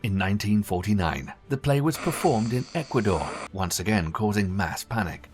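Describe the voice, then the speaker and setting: A man reading a scripted documentary narration in a measured, even storytelling manner. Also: lowish voice. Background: faint background music.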